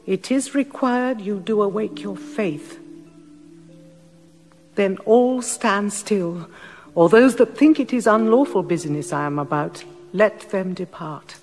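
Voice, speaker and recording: A woman's voice: medium pitch, lively intonation, takes it slowly. An actress playing a loyal, commanding older noblewoman, speaking verse in a solemn, incantatory way. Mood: firm. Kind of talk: classical stage acting, audio drama. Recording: long reverb with soft music behind.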